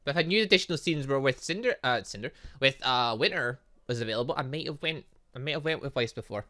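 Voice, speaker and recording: Male gaming host, animated pitch, bright forceful tone, rambling casual commentary. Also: fast talker. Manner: rambling, reacts aloud to the game. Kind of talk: casual let's play commentary with read-aloud dialogue.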